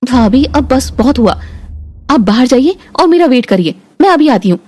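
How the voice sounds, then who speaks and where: A woman's voice: high voice, very animated, moderate pace, warm tone. A woman voicing a snobbish, scolding rich young woman in a cartoon story. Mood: curt. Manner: haughty, scolding, mixes English. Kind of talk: cartoon voice acting.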